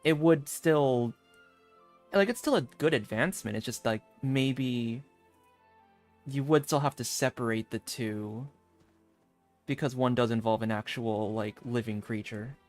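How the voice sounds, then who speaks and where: A male game streamer comments casually as he plays, thinking aloud in an informal way. His voice is mid-pitched, with faint game music behind it. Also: measured pace, long pauses.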